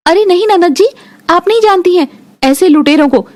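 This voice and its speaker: A woman's voice: very high voice, animated, normal speed, darkish tone, voice pushed up. A woman playing an earnest, simple young village bride. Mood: indignant. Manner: naive, earnest, speaks of herself as "we". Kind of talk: cartoon voice acting.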